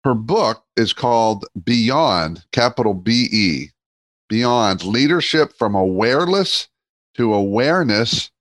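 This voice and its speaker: A man's voice: medium pitch, expressive, slow pace, fairly bright tone, dry recording. A man, hosting a podcast and introducing the show and its guest. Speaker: podcast host.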